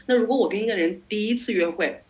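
A woman's voice: medium pitch, fast. A woman podcast host telling stories in a casual chat, dropping English words into her speech. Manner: animated storytelling, mixes in English words. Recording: slightly dull lo-fi audio.

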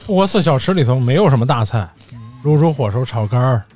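A man's voice: mid-range voice, animated, fast talker, darkish tone. A man co-hosting a casual chat, explaining his opinions and often chiming in. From China, outside Beijing. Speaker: podcast co-host. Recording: music playing behind the talk. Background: music.

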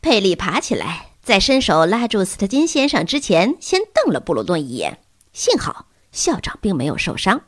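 Brief: expressive woman storyteller, animated intonation, dry studio sound. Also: medium pitch, moderate pace, no echo. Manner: lively expressive reading. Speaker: narrator. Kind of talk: audiobook storytelling.

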